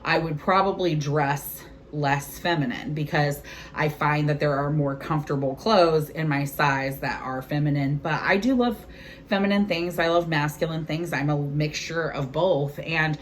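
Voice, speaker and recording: A woman in her forties with a distinctly low voice talks casually to camera as a vlog host. She is candid and conversational, as in an informal chat. There is faint noise behind her. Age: 40s.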